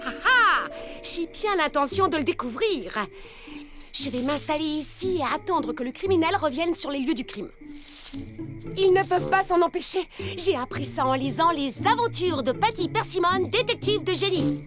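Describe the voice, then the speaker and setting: A woman voicing an excitable, self-important young girl detective in a dubbed children's cartoon, theatrical and pompous. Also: extremely high pitch, normal speed, over music. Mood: eager, self-important.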